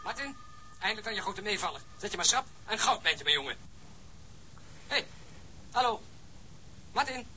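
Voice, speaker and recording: An actor playing an excited, teasing police colleague with an exuberant manner in a radio drama. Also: male voice, high-pitched, moderate pace, pauses often, slight background noise, exaggerated voice, poor audio.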